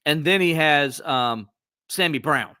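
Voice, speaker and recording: Guy hosting a sports show, bright punchy voice, dry sound, jumps up high doing other people's lines. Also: takes it slowly, smooth, dry recording. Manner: animated, acts out quotes with pitch jumps. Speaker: sports podcast host. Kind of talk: casual sports chat.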